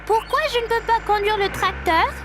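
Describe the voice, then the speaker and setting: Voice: extremely high pitch, fairly even intonation, normal speed, bright, forceful tone, a little hiss or hum. An actor voicing a cheerful, curious preschool boy in a children's cartoon dub, with simple, wide-eyed childlike phrasing. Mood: disappointed.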